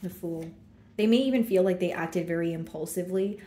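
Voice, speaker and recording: A woman gives a casual tarot reading to camera, relaxed and chatty, talking through each card as she draws it and filling pauses with likes and you knows. Her voice sits a little low and sounds mellow, with a noticeable room echo.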